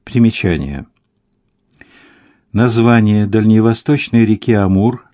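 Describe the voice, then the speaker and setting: A man narrating an audiobook in an even, measured reading. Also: lowish voice, no room sound, studio quality. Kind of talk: scripted narration.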